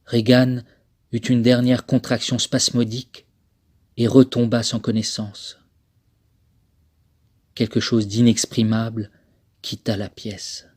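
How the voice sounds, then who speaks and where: A man, a voice actor, delivering scripted narration in a theatrical, measured manner. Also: medium pitch, little pitch movement, a little mellow, breathy edge. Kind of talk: scripted dramatic narration for a demo reel.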